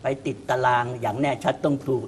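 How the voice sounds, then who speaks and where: A man's voice: mid-range voice, fast talker, a little hiss or hum. Emphatic Thai man discussing politics. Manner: emphatic, repeats words when starting a point. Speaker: political commentator. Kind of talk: talk-show discussion.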